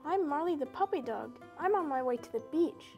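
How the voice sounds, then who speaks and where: A woman's voice: high-pitched, lively intonation, fairly quick, a little mellow, muffled recording, soft background music. A woman voicing a small, sweet, lost puppy dog in a puppet show, innocent and childlike.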